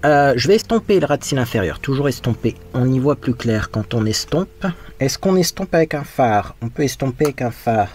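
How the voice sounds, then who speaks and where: A man's expressive, slightly mellow mid-range voice moves fairly quickly. He's a makeup vlogger chatting frankly through a casual get-ready-with-me, often thinking aloud as he applies his makeup.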